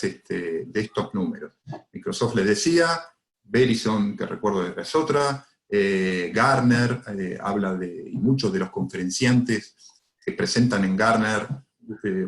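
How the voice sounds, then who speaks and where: A man's voice: on the low side, roomy sound. A man from Argentina with an Argentine Spanish accent, answering audience questions as a cybersecurity speaker in a webinar, with many fillers and tag questions.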